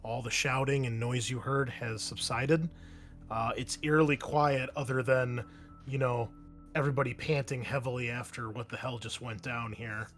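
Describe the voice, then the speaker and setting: A man's voice: mid-range voice, fairly even intonation, normal speed, a bit bright. A man running a tabletop roleplaying game as game master, narrating scenes vividly to his players.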